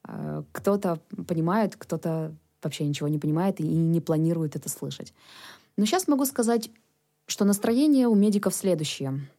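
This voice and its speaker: Woman, Ukrainian native speaker, mellow low voice, earnest, explaining. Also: animated, moderate pace. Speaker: government official, guest. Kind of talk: interview answers, explanatory.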